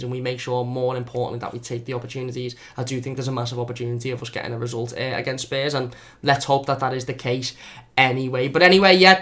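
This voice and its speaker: A man's voice: medium pitch, a bit bright. A young man with a Scouse accent hosting a football fan channel, earnestly previewing a match and repeating words for emphasis. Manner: repetitive, earnest, doubles his words.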